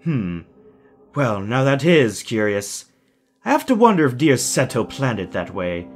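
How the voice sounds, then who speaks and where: A man's voice: medium pitch, very animated, a little slow, faint music behind. An actor playing a deranged, genteel villain in an audio drama, formal and mocking, savoring his words with menacing sweetness. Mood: silky menace.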